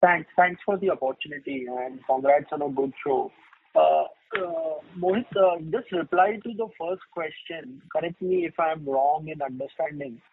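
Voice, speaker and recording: Man, husky gravelly voice, lively intonation, analyst questioning, phone audio. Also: fairly high pitch, moderate pace. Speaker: equity analyst. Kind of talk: question on earnings call. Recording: phone-like conference line.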